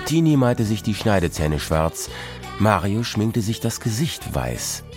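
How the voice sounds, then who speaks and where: A man narrating a children's radio play, reading in a lively, expressive way at a close mic. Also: lowish voice, unhurried, over music.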